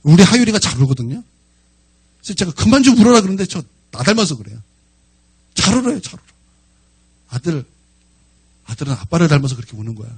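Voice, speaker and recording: Animated, high-voiced Korean pastor preaching. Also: male voice, fast talker, long pauses, husky. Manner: emotional, confessional storytelling that swings between loud outbursts and quiet asides. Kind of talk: sermon.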